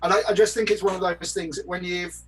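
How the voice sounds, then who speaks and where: A man's voice: high-pitched, little pitch movement, quick pace, breathy edge, recorded from a distance. A man speaking in a casual discussion as a panelist, articulate and wry. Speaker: podcast panelist.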